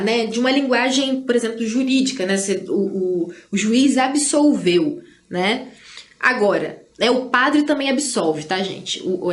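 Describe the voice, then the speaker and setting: A Brazilian Portuguese-speaking woman teaching an online grammar lesson in a chatty way, often tagging "né?" and drawing out example words. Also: on the high side. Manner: chatty, tags phrases with "né?"; drawls out example words slowly.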